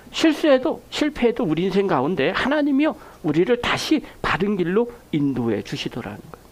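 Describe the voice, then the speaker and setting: A middle-aged male pastor delivering a Sunday sermon. His pitch swings widely as he acts out little conversations and calls on the congregation to answer amen. The talk is lively and direct. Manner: animated storytelling, acts out quoted dialogue; addresses congregation directly, asks for amens.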